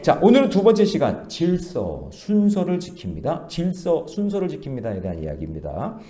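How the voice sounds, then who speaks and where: A male pastor preaching an animated sermon, telling stories and throwing questions to the congregation. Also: a little high, moderate pace. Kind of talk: sermon at a Friday prayer meeting. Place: church sanctuary. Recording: echoey church hall.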